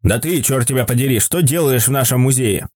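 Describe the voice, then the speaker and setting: A man voicing a gruff, blunt old man in a storybook reading. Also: medium pitch, fairly quick, a little mellow, dry recording, clean studio sound, lightly acted. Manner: gruff, rough-spoken.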